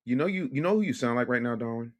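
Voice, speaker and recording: Fast, lively man teasing on a panel. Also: mid-range voice. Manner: teasing, joking, quick-witted. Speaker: podcast panelist. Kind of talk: casual panel discussion.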